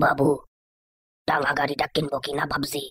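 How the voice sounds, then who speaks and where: This put-on character voice is raspy and sits at a low-to-middle pitch. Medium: read story. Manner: deferential, addresses his master as babu.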